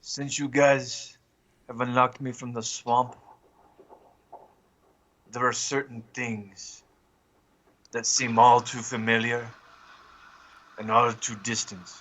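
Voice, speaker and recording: A man's voice: medium pitch, little pitch movement, takes it slowly, long pauses, fairly bright tone, low-quality recording. A man voicing a solemn vine creature from a swamp in a tabletop roleplay, speaking formally and portentously. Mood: solemn, uneasy.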